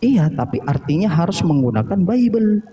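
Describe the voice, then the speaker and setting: In a heated live debate, a man hectors insistently and keeps repeating himself. His voice sits high and mellow with a sing-song lilt at a normal speed, carried on an echoey, dull lo-fi stream with faint noise.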